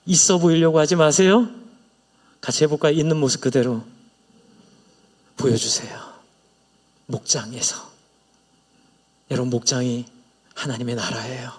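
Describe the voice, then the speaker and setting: A man's voice: mid-range voice, fairly even intonation, normal speed, long pauses, long reverb tail. A male pastor preaching a sermon in a church, earnestly sharing personal confessions and leading the congregation in prayer. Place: church sanctuary.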